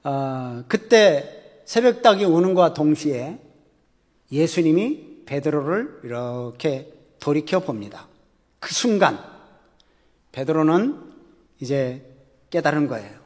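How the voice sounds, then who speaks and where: A man's voice: a little high, big pitch swings, takes it slowly, pauses often, darkish tone, in a large hall. A man, a pastor, preaching a sermon conversationally with rhetorical questions to the congregation.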